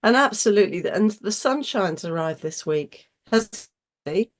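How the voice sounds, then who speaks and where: A woman hosts an informal online session with a husky, slightly cold-worn voice. She is chatty and effusive as she welcomes and introduces people, at an ordinary middling pitch. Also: animated, normal speed. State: getting over a cold. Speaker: host chairing an online webinar.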